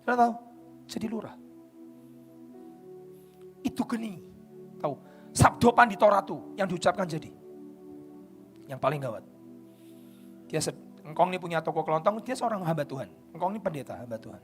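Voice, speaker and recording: A man with a Javanese accent preaching a sermon at a church service. He tells stories, moving between quiet narration and loud, emphatic declarations. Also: a little high, very animated, moderate pace, pauses often, soft background music. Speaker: pastor. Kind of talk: sermon with storytelling.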